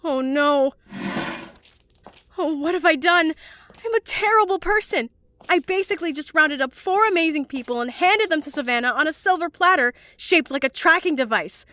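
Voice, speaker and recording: A young woman playing an anxious, well-meaning student in an audio drama, earnest and given to halting, stammering speech. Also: sits high, expressive, pushed and bright, no room sound. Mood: panicked, self-blaming. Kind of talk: audio drama acting, emotional monologue and dialogue.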